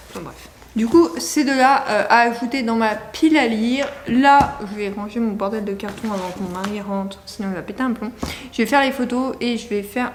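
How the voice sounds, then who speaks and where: A woman's voice: a little high, echoey room, slight background noise. French girl chatting about her reads, rambly, lots of euh, casual vlog vibe. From France. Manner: chatty, rambling with many fillers and restarts. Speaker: book vlogger.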